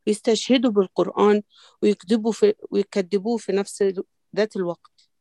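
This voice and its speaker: A woman's voice: medium pitch, fairly even intonation, quick pace, dark tone, no room sound, lightly acted. A woman with an Egyptian Arabic accent, acting a conservative woman troubled by free thinking in a play rehearsal. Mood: upset.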